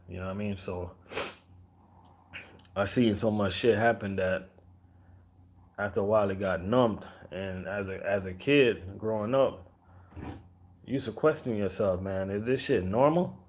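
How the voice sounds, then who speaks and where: A relaxed man from Jamaica talks to the viewers of his live stream in a lowish voice. He rambles loosely, stops and starts, and keeps checking in with his audience. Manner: laid-back, rambling, many fillers and "you know what I mean".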